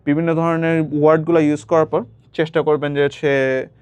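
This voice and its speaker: A man's voice: a little high, level tone, a little fast, a little mellow, smooth, no room sound. A young man, casually giving a speaking lesson as a tutor and slipping English phrases into his explanations. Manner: mixes English phrases into his talk, repeats words while explaining.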